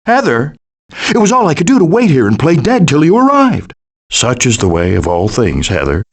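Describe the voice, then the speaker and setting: A man's voice: a little high, huge pitch swings, moderate pace, heavily acted. A man voicing a melodramatic, doting father possum in a cartoon video game, with a pompous, theatrical, declamatory manner. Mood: anxious, mournful. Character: melodramatic, hammy male possum, doting middle-aged father. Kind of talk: animated video game voice acting.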